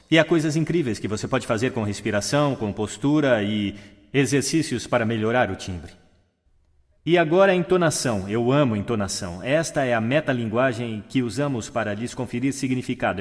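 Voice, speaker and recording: A man giving a stage talk on how to speak, showing changes of register, pace, pitch and volume as he goes. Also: lively intonation, a little fast. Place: large hall with audience. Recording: long hall reverb.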